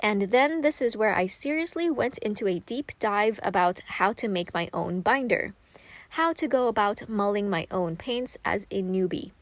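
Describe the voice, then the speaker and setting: A woman's voice: mid-range voice, animated, moderate pace, dry recording. A woman from Thailand, narrating a voiceover for her art channel in a chatty, upbeat way, with a bit of self-deprecating humor. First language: Thai. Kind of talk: voiceover narration of a craft video.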